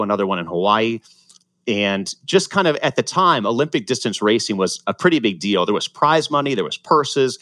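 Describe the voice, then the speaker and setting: Earnest, reflective man, low voice. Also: a bit bright, no room sound. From Ohio, USA, born in Ecuador. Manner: earnest, reflective, frequent restarts. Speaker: guest, former pro triathlete. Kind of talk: casual interview storytelling.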